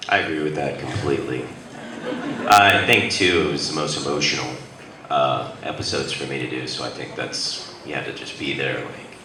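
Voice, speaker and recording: A man's voice: very deep voice, moderate pace, a crowd in the background. A man, a voice actor, talking easily on a convention panel and agreeing with the others. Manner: easygoing, agreeable. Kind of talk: casual panel talk. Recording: echoey convention hall from far off.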